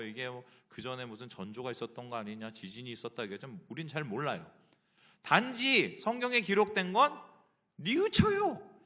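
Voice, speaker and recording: A man's voice: a little high, pushed and bright. A male pastor preaching a sermon, asking the congregation rhetorical questions.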